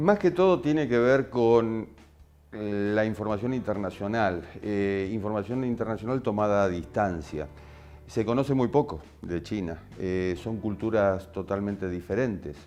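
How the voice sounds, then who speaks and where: Speaking at a fairly slow pace, a man with an Argentine accent uses a fairly low pitch and ordinary pitch variation. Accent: Argentine Spanish (Rioplatense). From Argentina. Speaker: journalist, international affairs analyst. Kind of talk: interview answer.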